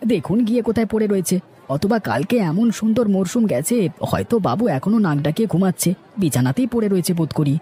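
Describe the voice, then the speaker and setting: A man's voice: sits high, expressive, quick pace, mellow. A man voicing a humble, grumbling village man in a cartoon story. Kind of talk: Bengali cartoon story dialogue. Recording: faint music behind.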